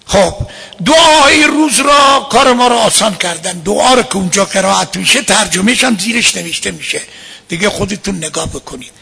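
A man giving a religious lecture as a cleric, emphatic and at times rising to a shout. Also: high voice, creaky, breathy edge.

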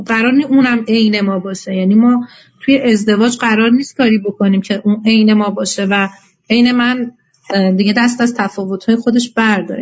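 Woman lecturing, dull lo-fi sound. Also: on the high side. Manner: direct advice to listeners. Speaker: marriage and relationships instructor. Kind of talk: lecture to a class.

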